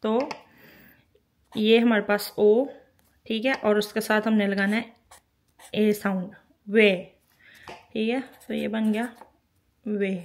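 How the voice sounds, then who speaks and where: A woman's voice: mid-range voice, little pitch movement, slow, pauses often, a little mellow. A woman teaching a language lesson, patiently explaining and repeating each sound several times while she writes. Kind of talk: spoken lesson.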